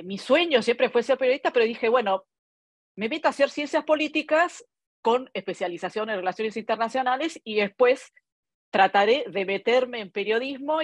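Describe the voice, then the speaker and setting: Italian-born woman w/ argentine accent, 50s, talking from her home study over a laptop webcam, lots of eh pauses, dry close sound. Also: medium pitch, no room sound. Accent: Argentine Spanish. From born in Italy, raised in Argentina. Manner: thoughtful, many hesitations and "eh" fillers. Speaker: foreign correspondent guest. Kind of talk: relaxed conversational interview. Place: home study with bookshelves, indoors. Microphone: laptop webcam on a video call.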